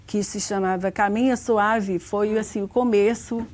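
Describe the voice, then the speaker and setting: A woman's voice: medium pitch, fairly even intonation, unhurried, darkish tone. A Brazilian woman teacher with a Brazilian Portuguese accent, recounting her classroom practice. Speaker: guest teacher. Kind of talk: interview answers.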